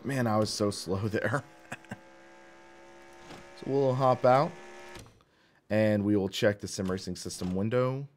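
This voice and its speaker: A man with a hoarse voice casually narrating a sim racing live stream, thinking aloud as he goes. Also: fairly low pitch, slow pace, pauses often, slight background noise. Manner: chatty, thinks aloud while clicking menus.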